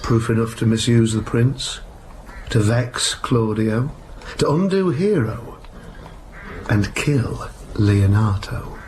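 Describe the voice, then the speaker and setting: A sly, persuasive henchman, played by a man, laying out a plot in a mid-pitched voice. He leans in conspiratorially and drops into whispers, all in a Shakespearean stage play. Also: slow, a little mellow, slight background noise, natural voice. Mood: scheming. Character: sly scheming male henchman, cunning and persuasive.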